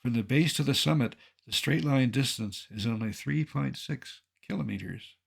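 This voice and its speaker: Older guy in his 70s giving a slide talk, gravelly husky voice, dry jokes. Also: medium pitch. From Colorado, United States. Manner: dry, wry humor with measured delivery. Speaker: naturalist giving a public slide lecture. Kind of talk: illustrated lecture with storytelling.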